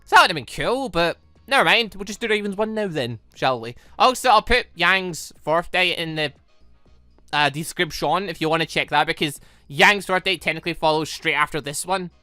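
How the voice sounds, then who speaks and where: A man's voice: a little high, expressive, normal speed, pushed and bright, no room sound, soft background music. A man giving casual, rambling let's-play commentary as a gaming video host, often correcting himself mid-thought. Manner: rambling, self-correcting, informal.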